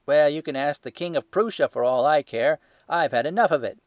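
A blustering market salesman bellows at full volume, a man doing the voice. His pitch rides high and his voice stays forceful. The sound is dry and close, with no room around it. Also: animated, normal speed, no echo. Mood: furious. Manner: loud, hectoring, shouting. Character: gruff, blustering male market poultry salesman.

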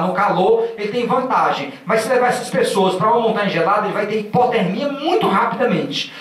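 A middle-aged man from Northeast Brazil with a Northeastern accent, giving an energetic, humorous motivational talk on a handheld mic in a large auditorium. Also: high-pitched. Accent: Northeastern Brazilian Portuguese. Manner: energetic, humorous, walks the stage. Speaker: motivational speaker. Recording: echoey hall from far off.

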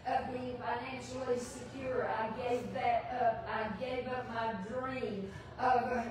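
An older woman preaches in a very reverberant church hall, picked up from a distance with some background noise. Her voice sits fairly high. She delivers personal Bible teaching in an earnest, emphatic way, often repeating phrases. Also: steady tone, slow pace. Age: older, retired. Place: large church sanctuary, indoors. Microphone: distant camera microphone.

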